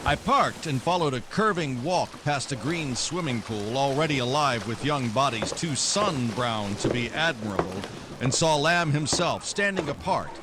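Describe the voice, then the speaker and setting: An actor playing a hard-boiled private detective in a 1940s-style radio drama, terse, wry and world-weary. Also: male voice, mid-range voice, noisy background, lightly acted. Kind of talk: 1940s noir radio drama narration and dialogue.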